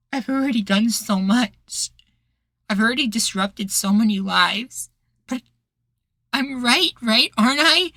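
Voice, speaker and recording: A man acting a troubled, self-doubting rebel leader with a hushed, halting delivery in an ASMR roleplay. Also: high-pitched, gravelly, no room sound, exaggerated voice. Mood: shaken, doubting, then desperate.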